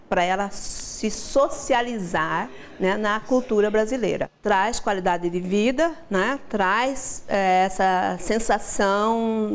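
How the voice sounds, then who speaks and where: A woman's voice: medium pitch, a little hiss or hum. A middle-aged woman teacher speaking in an interview, thoughtful and hesitant, with a lapel mic in a classroom. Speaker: language teacher.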